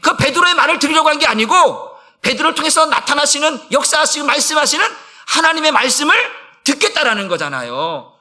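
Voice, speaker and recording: Male pastor, high lively voice, preaches with emphatic rhetorical questions and sudden hushed drops. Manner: swings between loud high bursts and low quiet asides. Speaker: senior pastor. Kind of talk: sermon.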